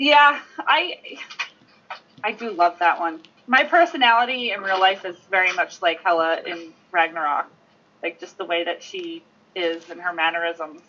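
Speaking with an American accent at a medium pitch and moderate pace, a woman uses lively intonation, big swings in loudness, and long, frequent pauses over noticeable background noise. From US Northeast, South Jersey. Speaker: cosplayer and podcast co-host. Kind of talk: casual chat. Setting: video call.

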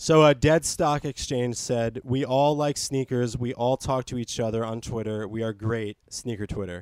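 With hardly any pauses, a man with an unremarkable speaking voice talks at a moderate pace and medium pitch, using ordinary pitch variation, in a dry, close sound with no echo. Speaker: podcast co-host. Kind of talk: casual chat.

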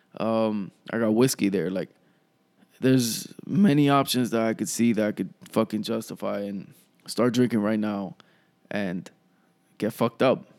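Long, frequent pauses break up a man's fairly low voice, which shows ordinary pitch variation in a very clean recording with a silent background. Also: moderate pace. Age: 20s. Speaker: podcast host. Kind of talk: casual monologue. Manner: halting.

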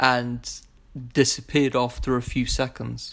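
Recorded very cleanly against a silent background, a man with an English accent speaks in a monotone, flat intonation. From England. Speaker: listener. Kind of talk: recorded personal ghost story.

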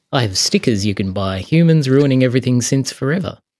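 A man speaks at a moderate pace with a medium pitch and a dark, mellow tone. The recording is very clean, with a silent background. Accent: Australian. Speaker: consultant, freedom of information enthusiast. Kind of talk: casual chat. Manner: halting.

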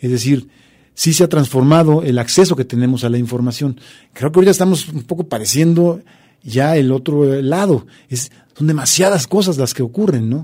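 A man with a dark, mellow tone speaks at a fairly high pitch and a moderate pace, with ordinary pitch variation. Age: 60s. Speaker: journalist. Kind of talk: radio interview.

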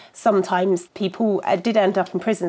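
This woman has a normal speaking voice at a medium pitch. She talks at a moderate pace with ordinary pitch variation. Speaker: historian. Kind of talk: interview.

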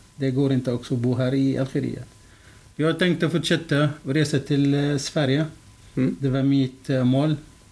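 Somewhat breathy, this voice keeps a very even loudness. It moves at a moderate pace with fairly even intonation. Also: man, fairly high pitch for a man. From Syria. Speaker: construction engineer. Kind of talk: interview.

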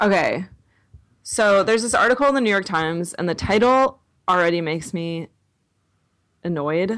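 A woman with an American accent speaks at a moderate pace and a medium pitch, her tone animated and her intonation lively. She leaves long pauses, and they come often. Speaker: podcast co-host. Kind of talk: casual chat. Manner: animated, laughing.

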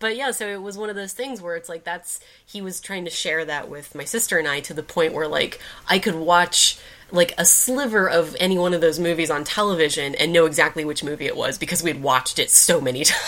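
A woman's fairly low-pitched voice at a fairly quick pace, with ordinary pitch variation, big swings in loudness and noticeable background noise. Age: 30s. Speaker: podcast host. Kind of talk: casual chat. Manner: animated.

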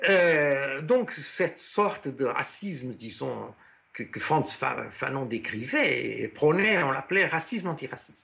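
In a Portuguese accent, a man talks at a very slow pace. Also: fairly high pitch for a man, lively intonation. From Portugal. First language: Portuguese (speaking French). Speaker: author. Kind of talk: radio interview.

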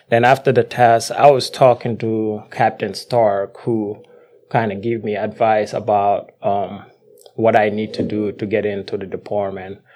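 Fairly slow and with monotone, flat intonation, a man speaks at a fairly low pitch. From Senegal. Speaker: police officer. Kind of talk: casual interview.

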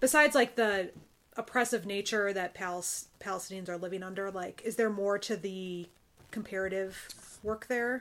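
Woman with an unremarkable speaking voice, an American accent, medium pitch, ordinary pitch variation and a moderate pace. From US suburbs. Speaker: feminist podcast co-host, PhD student and instructor. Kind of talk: casual chat.

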